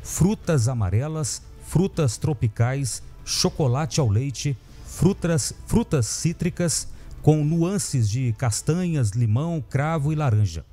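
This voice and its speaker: Man with a mellow voice reading news. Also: fairly high pitch, faint music behind. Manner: steady, measured reading of lists. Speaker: radio news presenter. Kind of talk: read news report. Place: radio studio. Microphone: studio mic on a boom.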